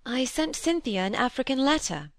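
A woman's voice: high voice, very animated, normal speed, dry recording, pitched above the performer's own voice. A woman reading aloud and voicing a timid, earnest young woman who speaks hesitantly and anxiously. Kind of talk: audiobook character voice.

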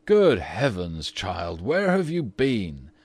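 A man's voice: on the low side, huge pitch swings, slow, a little mellow, husky, no room sound, full character voice. A man reading aloud, voicing a stern father who scolds his daughter sharply. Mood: angry. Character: stern worried American father.

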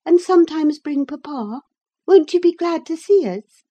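A woman voicing an eager, lively teenage girl in an audiobook, speaking in an excited, pleading way. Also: high-pitched, a little slow, pitched above the performer's own voice, heavily acted. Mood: playful. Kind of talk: audiobook character voice.

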